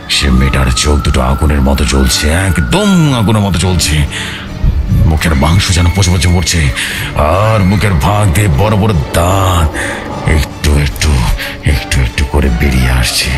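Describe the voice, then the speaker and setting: Very deep-voiced Bangladeshi male horror storyteller. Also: animated, measured pace. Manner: suspenseful, repeats phrases for effect. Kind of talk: dramatic ghost story narration. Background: music under the voice.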